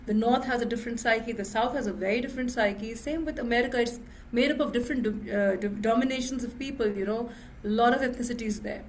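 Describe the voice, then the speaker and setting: A woman's voice: on the high side, fast talker, a little hiss or hum. A woman speaker answering questions on a webinar, reflective, often affirming with a "yeah".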